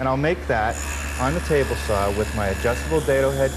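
A man speaks at a fairly quick pace. Noticeable background noise runs underneath. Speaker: woodworking show host. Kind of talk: tutorial. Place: workshop. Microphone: lapel.

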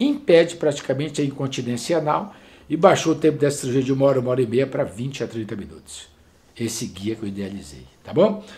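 This man has a dark, mellow, somewhat breathy tone and a fairly high pitch. He talks at a fairly quick pace with lively intonation and big swings in loudness. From Brazil. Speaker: proctologist. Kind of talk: medical explainer video. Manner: animated. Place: home room. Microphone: camera far.

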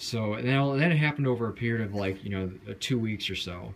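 A man's speech, with ordinary pitch variation, proceeds at a moderate pace over light background noise. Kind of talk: casual explanatory tutorial. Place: home room. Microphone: phone near.

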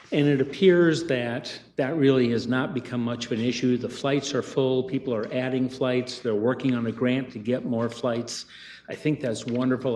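Noticeable background noise accompanies a man speaking at medium pitch with fairly even intonation. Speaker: airline pilot, board applicant. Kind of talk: public meeting statement.

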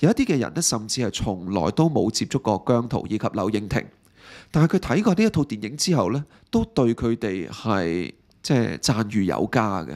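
A man's medium-pitched voice at a moderate pace with very wide pitch swings, in a very clean recording with a silent background and a dry, close sound with no echo. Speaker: film commentary youtuber. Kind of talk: casual monologue. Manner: halting, many filler sounds.

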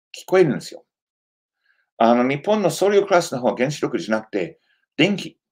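A man's high voice rises and falls across a very wide range as he talks fairly quickly. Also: quiet background. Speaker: historian and YouTuber; YouTuber. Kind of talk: casual live chat. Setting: live stream, online. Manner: halting, non-native Japanese. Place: home room. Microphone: webcam.

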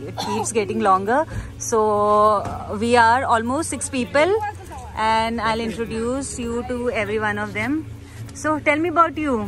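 A woman speaks at a moderate pace with long, frequent pauses. The sound is dry with no echo, and music is clearly heard in the background. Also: ordinary pitch variation. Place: open country. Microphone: phone near.

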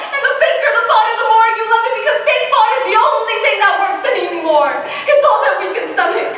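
A woman with an extremely high pitch, hardly any pauses and strong room echo. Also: lively intonation. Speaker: stage actor. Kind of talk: theatrical monologue. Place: stage.

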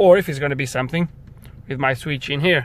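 A man is speaking. The sound is dry, with no echo. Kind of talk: tutorial. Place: car. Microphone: phone near.

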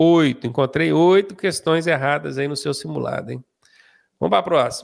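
A man speaks over a quiet background. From Brazil. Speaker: driving instructor. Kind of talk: tutorial. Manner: casual and conversational. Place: home room. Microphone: studio mic.

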